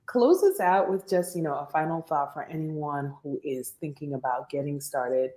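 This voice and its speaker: A woman's voice: deep voice, moderate pace, mellow, roomy sound. A woman podcast host in casual interview chat, chatty with fillers like "you know" and "like".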